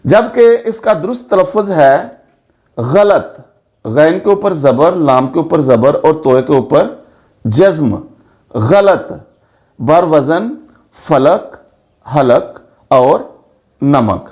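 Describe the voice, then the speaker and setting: Slow, deliberate male Urdu teacher. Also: a little high, animated, a little mellow. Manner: slow, deliberate, spells out vowel marks. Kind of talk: pronunciation lesson.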